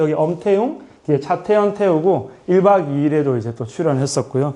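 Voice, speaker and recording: With very wide pitch swings, a man speaks in a dark, mellow tone at a fairly quick pace. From Busan, South Korea. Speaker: airline pilot, invited speaker. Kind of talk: career talk to students and parents.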